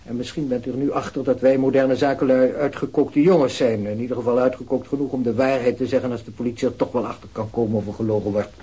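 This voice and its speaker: A man's voice: mid-range voice, steady tone, fast talker, hardly any pauses, warm tone, breathy edge, lightly acted. An actor playing a self-assured businessman who speaks formally and condescendingly. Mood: smug. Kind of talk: radio play acting.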